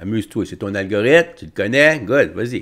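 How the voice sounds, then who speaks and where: A man with a Quebec accent swings his pitch very widely against a quiet background. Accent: Québécois French. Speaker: political commentator, online show host. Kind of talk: casual commentary with read-aloud passages; commentary, partly reading documents aloud. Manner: conversational, hesitant with fillers. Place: home room.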